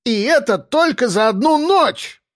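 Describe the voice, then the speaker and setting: Guy doing a shrill loud-mouthed woman, screechy and jumping all over the place, storybook voice. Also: animated, a little slow, no echo, studio quality. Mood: yelling. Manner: screeching, indignant, yelling. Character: shrill brash quarrelsome woman.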